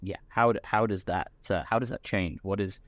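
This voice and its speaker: British man, podcast guest, low voice, dry sound, rambling casual chat. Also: steady tone, normal speed, no room sound. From Britain. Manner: chatty, full of restarts and repeated words.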